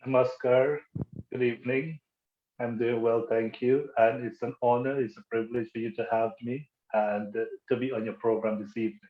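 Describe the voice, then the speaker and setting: A middle-aged Guyanese man, a Hindu pandit, speaking in a measured, humble and formal way as an interview guest on a video call. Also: mid-range voice, fairly even intonation. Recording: echoey tinny phone-like call.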